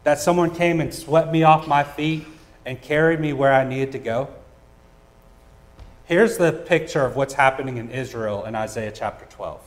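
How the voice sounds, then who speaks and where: A man's voice: mid-range voice, normal speed. A man preaching a sermon, telling a personal story in a casual, joking way with frequent "uh" fillers, at a church service. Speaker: pastor.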